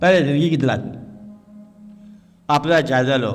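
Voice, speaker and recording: Music plays behind the speaker. He is a man with a fairly high voice. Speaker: Islamic spiritual lecturer. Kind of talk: religious lecture. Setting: old archival audio cleaned up. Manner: explanatory, conversational.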